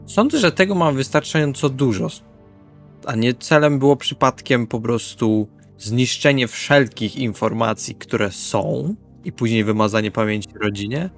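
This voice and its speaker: A man speaks in character during a tabletop roleplaying discussion, organising things in somewhat formal wording. His voice is medium-pitched and his speed normal, with background music running under it.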